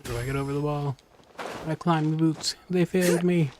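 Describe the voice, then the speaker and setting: A man's voice: fairly high pitch, moderate pace, background noise. A man giving casual, jokey gameplay commentary with a wry manner. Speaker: game streamer.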